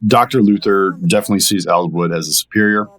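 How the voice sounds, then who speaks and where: A man with a low voice chats as a podcast guest. His commentary is casual and halting, with words repeated as he thinks. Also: a bit bright. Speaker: podcast guest, cast member.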